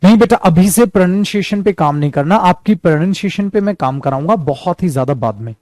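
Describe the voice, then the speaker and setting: A male English teacher with an Indian accent runs a class, repeating words and speaking English sentences very slowly. His voice sits a little high but sounds soft and dark in tone. The recording is dry, with no room echo. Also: expressive. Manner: addresses students as dear and son, repeats words for drill; slows to a careful crawl for English example sentences. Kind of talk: online spoken-English class.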